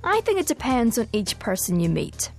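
A woman from Northern Ireland with a Northern Irish accent, co-hosting an English learning programme in clear, explanatory scripted speech. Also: a little high, sing-song, normal speed, darkish tone, soft background music. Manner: clear, explanatory, asks co-host questions. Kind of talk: scripted educational presenting.

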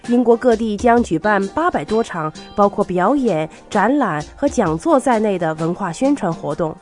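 A woman co-hosting a language lesson, explaining words clearly in a scripted style. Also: medium pitch, animated, normal speed, darkish tone, soft background music. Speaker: co-host explaining words in Chinese. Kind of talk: scripted bilingual lesson presenting.

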